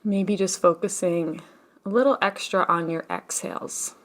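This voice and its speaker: A woman leading a guided meditation as a teacher, speaking in a gentle, soothing, unhurried manner with long pauses. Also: fairly low pitch, steady tone.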